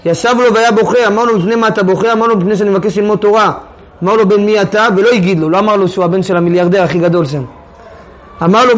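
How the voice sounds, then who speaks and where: A man's voice: high voice, highs cut off. A man teaching a Torah text class, reading sources aloud and then explaining them in casual everyday speech. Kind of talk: text-study lesson to a class.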